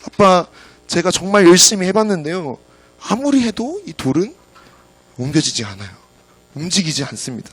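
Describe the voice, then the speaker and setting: A male preacher voicing a young daughter who pleads and apologizes in a high, childlike way. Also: very animated, moderate pace, husky, dry recording, exaggerated voice. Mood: tearful. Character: young girl, eager and tearful daughter.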